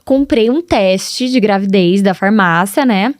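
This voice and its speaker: A woman in her thirties with a São Paulo interior caipira accent, a podcast guest telling stories in an animated, casual way. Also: medium pitch, unhurried, no room sound, clean studio sound. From Piracicaba, São Paulo state, Brazil. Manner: animated, acts out dialogue, laughs often. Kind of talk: casual storytelling chat.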